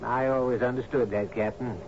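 An actor playing a loyal, deferential manservant to a sea captain in a radio drama, mild and hesitant in manner. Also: male voice, mid-range voice, steady tone, fairly quick, a little mellow, lightly acted. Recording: muffled, noisy old radio broadcast.

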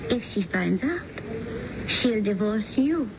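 An actress playing a shrewd, skeptical mistress in a radio drama, with a teasing, sardonic and expressive delivery. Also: female voice, mid-range voice, slow. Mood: probing. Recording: muffled, noisy old radio broadcast.

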